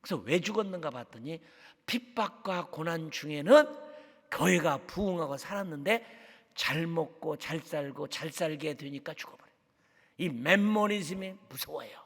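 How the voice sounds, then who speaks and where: A man preaching a sermon as a guest missionary, fervent, dropping to hushed tones and rising to shouts. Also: a little high, expressive, moderate pace. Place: church sanctuary. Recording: long church hall reverb.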